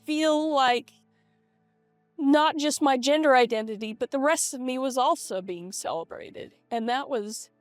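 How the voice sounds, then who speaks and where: A young adult woman speaks in a fairly high voice processed by a voice changer. She talks casually and personally, halting and restarting as she goes. The sound is dry, with soft lo-fi game music behind her. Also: no room sound. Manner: hesitant, halting, self-interrupting with repeated words. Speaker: vlogger. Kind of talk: casual confessional vlog talk. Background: soft lo-fi video game music.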